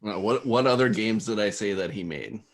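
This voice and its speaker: A man's voice: lowish voice, brisk. A man hosting a casual online game show over a video call, jokey and laughing often.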